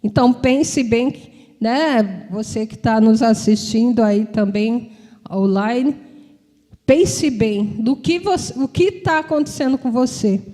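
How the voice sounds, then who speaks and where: A woman's voice: on the high side, slow pace, warm tone. A woman preacher and psychologist giving a conversational sermon, informal and repetitive, often checking in with her listeners. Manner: informal and repetitive, with frequent tag questions. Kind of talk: conversational sermon to a congregation and online viewers. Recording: long reverb from a large hall.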